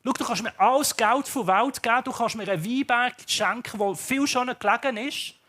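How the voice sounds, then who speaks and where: A man's voice: extremely high pitch, fairly quick, sharp tone, pitched above the performer's own voice, heavily acted. A man with a Swiss accent voicing a stubborn farmer who firmly refuses to give up his family vineyard, in a sermon retelling. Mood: defiant. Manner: firm, defiant refusal.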